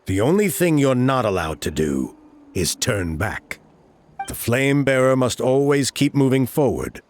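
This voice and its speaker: A man's voice: medium pitch, sing-song, a little slow, a little hiss or hum. A man voicing a composed tribal guide in a video game, patiently explaining the steps of a sacred rite. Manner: patient, explanatory, with a wry chuckle. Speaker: ceremony guide.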